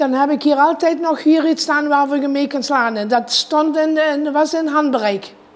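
The speaker is a woman with a high-pitched voice. Her pitch varies in an ordinary way. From Heerlen, Netherlands. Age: 70s. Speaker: hairdresser. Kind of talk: interview answer. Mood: indignant, animated retelling. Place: shop. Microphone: lapel.

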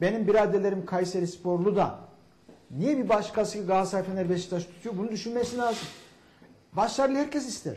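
The speech has ordinary pitch variation and a moderate pace. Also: man. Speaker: football commentator. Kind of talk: sports panel discussion. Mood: argumentative, passionate. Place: studio. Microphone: lapel.

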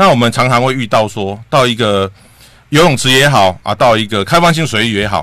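In a dry sound with no echo and a quiet background, a man talks at a fairly quick pace with lively intonation and a bright, sharp tone. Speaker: association chairman and diving instructor. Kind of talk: radio interview. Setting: radio studio with Facebook live stream. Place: studio. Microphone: studio mic.

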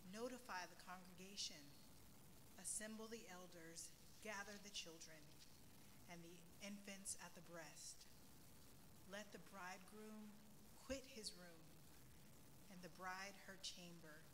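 Pausing long and often, a woman speaks at a fairly slow pace with fairly even intonation over noticeable background noise. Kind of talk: scripture reading. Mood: solemn, measured pace. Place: church. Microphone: podium.

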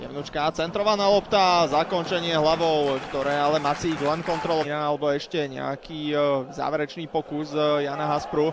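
A fairly high-pitched man at a moderate pace, with very even loudness, fairly even intonation and noticeable background noise. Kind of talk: live football commentary.

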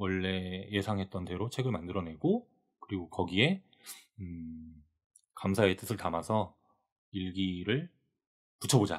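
Long, frequent pauses break up the speech of a man with a very deep, low voice and ordinary pitch variation. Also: fairly slow pace. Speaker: webtoon artist. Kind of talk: interview.

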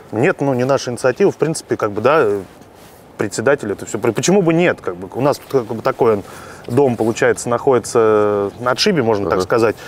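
Over light background noise, a man talks at a very fast pace. His intonation is lively. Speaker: local resident. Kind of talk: casual interview. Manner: halting. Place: street.

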